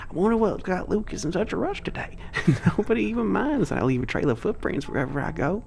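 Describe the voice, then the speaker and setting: A man's voice: high voice, sing-song, fast talker, creaky, darkish tone, slight background noise, full character voice. A man playing a friendly, anxious young half-giant villager in an ASMR roleplay, chatty and folksy with hesitant, nervous delivery. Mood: nervously cheerful.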